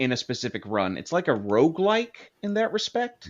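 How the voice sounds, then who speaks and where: Very wide pitch swings from a man with a Southern US accent. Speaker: podcast host. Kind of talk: casual chat.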